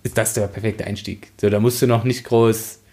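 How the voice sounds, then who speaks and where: A man's voice: fairly low pitch, little pitch movement, moderate pace, warm tone. A man chatting casually in a colloquial, wry way. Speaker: book podcast panelist. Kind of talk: casual chat.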